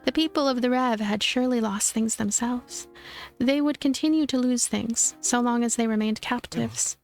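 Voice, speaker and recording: A woman's voice: on the high side, moderate pace, faint music behind, lightly acted. A woman voicing an earnest, hesitant young witch heroine in visual novel narration. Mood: wistful.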